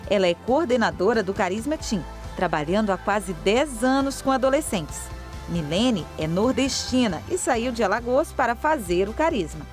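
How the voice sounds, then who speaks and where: A woman announcer reads a prepared introduction as a voice-over, smooth and even in delivery. Her voice sits fairly high, and soft music plays underneath her. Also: normal speed.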